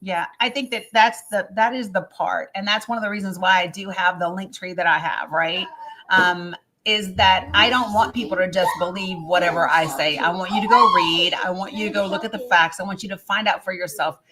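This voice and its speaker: A woman's voice: medium pitch, fairly quick, bright, forceful tone. A woman in her fifties hosting a live-stream panel, talking earnestly and firmly with many ums and restarts. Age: 50s. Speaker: livestream host.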